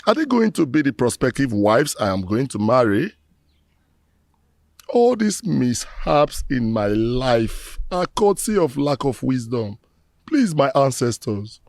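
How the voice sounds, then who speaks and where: A remorseful rogue pours out a declamatory prayer to his ancestors , as a man plays him. His gravelly voice sounds close and dry. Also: medium pitch, darkish tone, no room sound. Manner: lamenting, pleading, declamatory. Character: remorseful middle-aged rogue pleading to ancestors.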